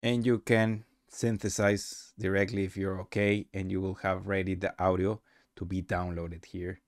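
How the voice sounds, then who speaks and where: Low-voiced man, halting tutorial narrator. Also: dry recording, studio quality. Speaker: host demonstrating his software. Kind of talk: casual software tutorial narration.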